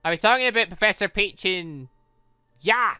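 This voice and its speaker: An excitable let's play host who rambles through reactions to a visual novel. The voice is bright and very animated in pitch, with a dry sound and little room. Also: moderate pace, smooth, no echo. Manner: excitable, rambling, stumbling commentary. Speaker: gaming video host.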